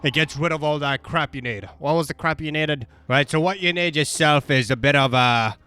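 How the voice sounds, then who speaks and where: A man giving casual gameplay commentary in a rambling, irreverent, animated way. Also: on the high side, normal speed, clear, resonant tone, dry recording. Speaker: video game streamer.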